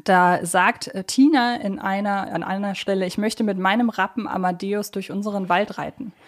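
A woman talks as a podcast co-host. She is chatty and explanatory, in the relaxed style of a fan discussion, often branching into small digressions. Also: mid-range voice, moderate pace.

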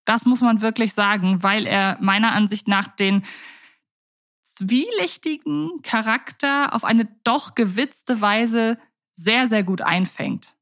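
A woman's voice: a little high, slow pace, fairly bright tone. Chatty German woman podcast co-host. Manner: chatty, playful, long winding sentences. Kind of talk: casual podcast chat.

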